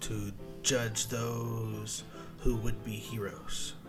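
Over loud background music, a put-on character voice drags along at a very slow pace, gravelly throughout. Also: man. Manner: stern, judging.

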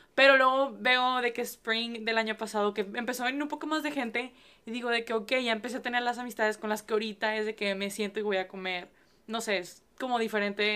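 A woman speaks at a very fast pace in a bright, sharp tone, her fairly high pitch moving with ordinary variation. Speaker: student podcast host. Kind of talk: casual chat.

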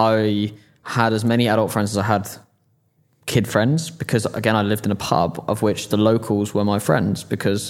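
With an unremarkable speaking voice, a man talks at a fairly low pitch, his loudness very even and his pitch variation ordinary. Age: 20s. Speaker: marketing agency founder. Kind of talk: interview.

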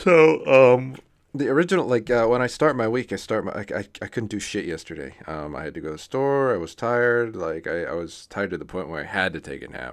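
Over a quiet background, a man at medium pitch moves at a fairly quick pace, his voice swinging very widely in pitch and greatly in loudness. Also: hardly any pauses. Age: 20s. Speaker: podcast host. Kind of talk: casual solo monologue. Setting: home recording at desk. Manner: halting, many fillers.

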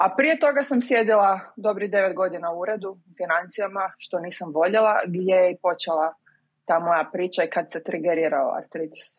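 A woman with a plain, everyday voice talks at a medium pitch, her intonation lively. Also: moderate pace. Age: 30s. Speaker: artist and hospitality manager with rheumatoid arthritis. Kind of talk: casual interview.

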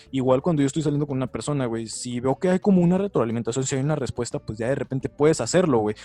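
With a medium pitch and ordinary pitch variation, a man talks at a very fast pace in a dry, close sound with no echo. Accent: Mexican. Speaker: podcast co-host. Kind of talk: casual chat.

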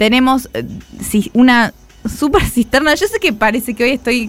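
Behind her, music is playing. The woman keeps to a moderate pace. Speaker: radio host. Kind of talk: casual chat. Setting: studio.

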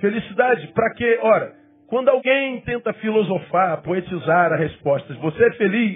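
A man speaks with a Rio de Janeiro accent at a moderate pace and a high pitch. His tone is animated, with lively intonation. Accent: Carioca Brazilian Portuguese. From Brazil, Rio de Janeiro (Realengo). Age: 40s. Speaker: pastor. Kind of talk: sermon. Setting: church.

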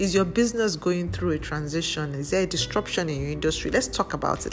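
Noticeable background noise runs under speech delivered at a very fast pace. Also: woman. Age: 40s. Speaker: podcast host and fashion entrepreneur. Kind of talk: solo podcast monologue.

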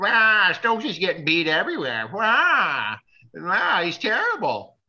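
A man's whiny, high put-on character voice at a fairly slow pace, with very wide pitch swings. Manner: whiny, mocking.

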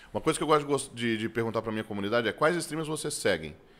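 A man's voice with vocal fry at a fairly quick pace. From Minas Gerais, Brazil (Contagem, near Belo Horizonte). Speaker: gaming content creator. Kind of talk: casual interview chat.

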